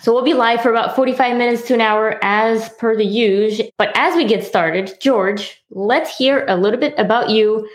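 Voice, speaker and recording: A woman's voice: fairly high pitch, moderate pace, few pauses. Upbeat woman hosting, in an echoey room. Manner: upbeat, chatty, laughs often. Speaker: host. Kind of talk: live show, casual chat.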